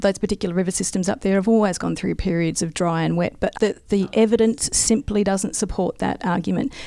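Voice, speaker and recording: A woman speaks in an Australian accent at a medium pitch. Her tone is dark and mellow, and her pace is fairly quick. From South Australia. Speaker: local councillor and geologist. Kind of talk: casual interview. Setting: in-person interview in Mildura.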